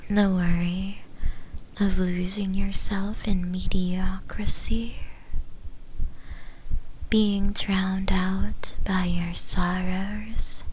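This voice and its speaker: Very slow whispering shadow demon, acted by a woman. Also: medium pitch, level tone, a little hiss or hum, low-quality recording. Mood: melancholy. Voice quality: breathy whisper. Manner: hesitant, drawn-out, pausing between phrases. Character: lonely, yearning, possessive female shadow demon. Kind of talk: whispered ASMR roleplay, slow intimate monologue.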